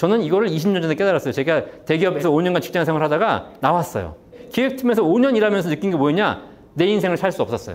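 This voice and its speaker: A man speaks in an animated tone at a fairly quick pace, with audible room echo around him. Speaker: pension expert lecturer. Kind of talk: public lecture. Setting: stage with audience. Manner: animated, rhetorical questions to audience.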